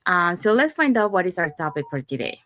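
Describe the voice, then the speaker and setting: Upbeat low-voiced woman hosting a podcast. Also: big pitch swings, a little fast, fairly bright tone, slight background noise. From Panama. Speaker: podcast host. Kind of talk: casual promotional podcast talk.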